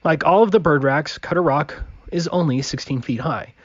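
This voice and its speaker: Higher-voiced man narrating emphatically. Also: moderate pace, dry recording, dull audio. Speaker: video narrator. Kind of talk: scripted narration.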